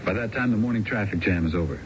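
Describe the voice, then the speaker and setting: An actor in a 1970s radio drama playing a cocky, smooth-talking thief, slangy and streetwise. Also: male voice, fairly low pitch, fast talker, close to an everyday voice. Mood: brisk, businesslike. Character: cocky, smooth-talking small-time male thief and hustler. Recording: dull, noisy old radio broadcast.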